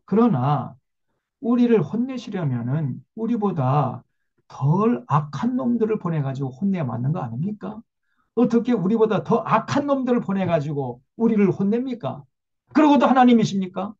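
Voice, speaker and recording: A preacher acting out an indignant prophet. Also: male voice, high voice, very animated, normal speed, vocal fry, darkish tone, slightly rough, muffled recording, full character voice. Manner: agitated, demanding questions. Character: indignant male prophet protesting to God.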